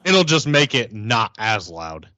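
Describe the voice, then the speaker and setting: A man's voice: on the low side, big pitch swings, slow, bright, forceful tone, dry recording, dull audio. A man playing a tabletop game, chatting casually in an informal, blunt way. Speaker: player in a tabletop RPG podcast.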